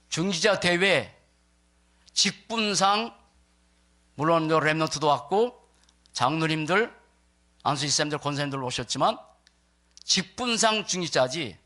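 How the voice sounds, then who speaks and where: A man preaching to a congregation as a pastor, stressing key words in deliberate phrases and putting questions to his listeners. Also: on the high side, sharp tone. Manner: puts rhetorical questions to listeners. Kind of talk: church sermon to a congregation.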